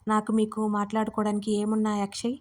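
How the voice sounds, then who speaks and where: A woman voicing a young married woman who speaks firmly with sharp questions in a Telugu audio story. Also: medium pitch, monotone, fast, lightly acted. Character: young married woman, guarded then angry.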